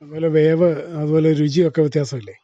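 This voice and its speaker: A man's voice: fairly high pitch, fairly even intonation, fast talker, warm tone, no room sound. A man with a Kerala accent working as a radio interviewer, asking conversational, inquisitive questions and checking the answers. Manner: inquisitive, often ends with confirming tag questions. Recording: dull, band-limited dry radio recording.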